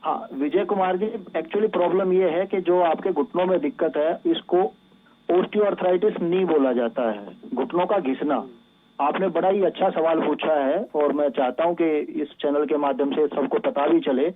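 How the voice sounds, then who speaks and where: A man's voice: on the high side, normal speed. A man speaking as an expert doctor on a call-in show, patiently explaining medical advice and mixing in English medical terms. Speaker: doctor, physiotherapy expert guest. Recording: thin phone-like band-limited line.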